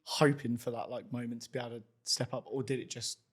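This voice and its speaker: A man's voice: mid-range voice, fairly even intonation, fast, breathy edge. Guy hosting a podcast, laid back, mid voice, laughs a lot. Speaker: podcast host. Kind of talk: casual interview.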